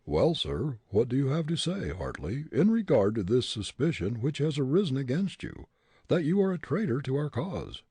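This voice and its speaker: A blustering smuggler captain, stern and demanding, as a male reader voices him, a few steps above the narrator's pitch. The voice is husky and dark, read close and dry. A storybook villain. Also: big pitch swings, normal speed, no room sound, full character voice. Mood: accusing.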